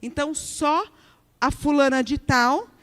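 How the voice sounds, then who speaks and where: A woman's voice: sits high, measured pace, in a large hall. A Brazilian woman giving a workplace harassment training to a live audience. She keeps checking in with the room and acts out example remarks.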